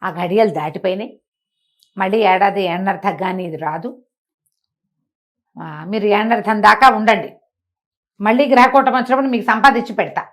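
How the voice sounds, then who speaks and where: A woman voicing an elderly male scholar guru in a bedtime story, speaking in a measured, paternal, instructing way. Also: medium pitch, lightly acted. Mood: placating.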